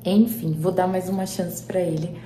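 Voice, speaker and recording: A woman's voice: lowish voice, steady tone, moderate pace, dark tone, a little hiss or hum. A Brazilian woman vlogging in a casual, chatty way, with a roomy echo from a bare living room. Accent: Brazilian Portuguese. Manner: chatty, keeps addressing viewers as friends. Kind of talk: casual vlog chat to viewers. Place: large living room with bare glass doors, indoors. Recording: echoey, half-empty room.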